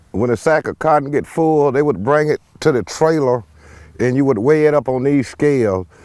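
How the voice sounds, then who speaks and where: Recorded very cleanly with a silent background, a man talks at a moderate pace and a medium pitch. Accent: American. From Mississippi Delta, US South. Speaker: former sharecropper. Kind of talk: documentary interview. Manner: explanatory, demonstrative.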